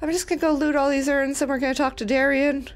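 A woman's voice: sits high, level tone, fast talker. A woman hosting a let's play, giving bubbly, chatty gameplay commentary full of exclamations. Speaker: video game let's play host.

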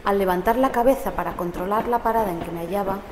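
Uneasy female narrator, acted by a woman, horror audiobook, mid pitch, echoey, metro train rumbling behind. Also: fast talker, close to an everyday voice. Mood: uneasy, measured. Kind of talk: dramatic first-person audiobook narration. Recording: echoey, clear train ambience noise behind. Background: metro train ambience.

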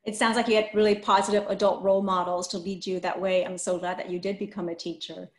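A woman's voice: medium pitch, level tone, fast talker. A middle-aged woman hosting a read-aloud and interview over a video call. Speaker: host interviewing an author. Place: small indoor room, video call. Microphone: computer mic on a video call. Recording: roomy, echoey video call.

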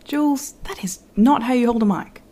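An actress playing a brisk, bossy, fussy engineer in an audio drama, talking curtly. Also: female voice, fairly high pitch, dark tone, natural voice. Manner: curt, bossy.

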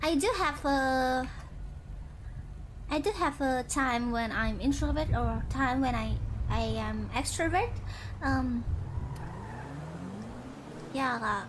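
A young Indonesian woman streams as a virtual streamer, chatting casually while she games. Her voice sits high, she halts and searches for words, and she giggles often over a noisy background.

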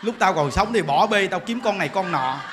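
Background noise accompanies a Buddhist monk preacher in his forties whose voice sits high and is expressive and fairly quick. Speaking with a Southern Vietnamese accent, he laughs and jokes through a dharma talk full of rhetorical questions.

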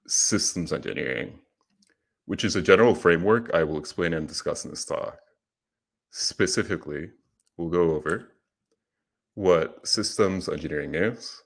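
A young man from Puerto Rico giving a prepared conference presentation, earnest and steady, speaking into a headset in a small room. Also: low voice, creaky. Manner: earnest, steady explanatory delivery.

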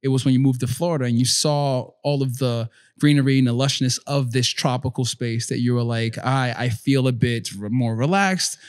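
A man's voice: mid-range voice, moderate pace, few pauses, clear, resonant tone. A man hosting a podcast, asking questions in a casual, friendly way and rephrasing what his guest says. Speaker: podcast host. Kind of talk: casual interview chat.

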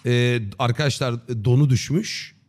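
A man in his thirties chatting casually on a livestream in a slangy, joking, deadpan way. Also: medium pitch, measured pace. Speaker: live streamer. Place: dim indoor streaming room. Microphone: close desk microphone with headset on.

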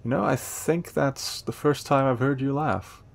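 A man acting a friendly, playful, eager young cafe helper in a romance audio roleplay, teasing and warm in a conversational way. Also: medium pitch, measured pace, creaky. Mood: warm, earnest.

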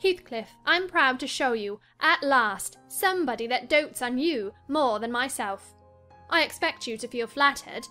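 A spirited young gentlewoman, acted by a woman, full of theatrical mockery. Her high voice swoops playfully through each teasing line of a storybook drama. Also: animated, a little slow, faint music behind, exaggerated voice. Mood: gleeful mockery. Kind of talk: dramatized audiobook reading.

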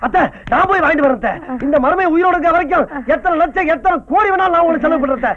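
An actor playing a grumbling, greedy comic farmer who rants and wails loudly, in film comedy dialogue. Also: male voice, very high voice, racing. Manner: loud comic wailing and ranting. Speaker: comic villager husband. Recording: dull lo-fi film soundtrack.

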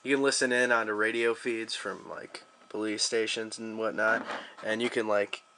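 A man's voice: lowish voice, little pitch movement, normal speed, noisy background. A young American man giving a casual, slangy, joking app demo as a video reviewer.

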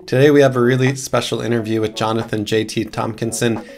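A man's voice: mid-range voice, steady tone, fast talker, darkish tone. Upbeat man hosting a video call interview. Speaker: host. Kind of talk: upbeat interview host, reads sponsor ad. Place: home office, indoors.

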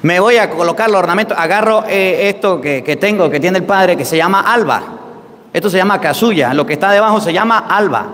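Venezuelan priest giving a sermon, high voice, big church reverb, acts out the characters. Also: male voice, a little fast. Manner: lively storyteller who acts out voices. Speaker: Catholic priest. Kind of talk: sermon with anecdotes.

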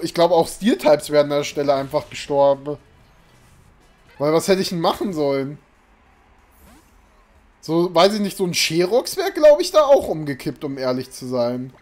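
Young guy streaming a game, kinda high voice, rambling, game music faint in the back. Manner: rambling, chatty, bursts into loud exasperated outbursts. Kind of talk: casual live-stream chat with chat. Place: small room indoors. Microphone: desk mic, webcam in a home room.

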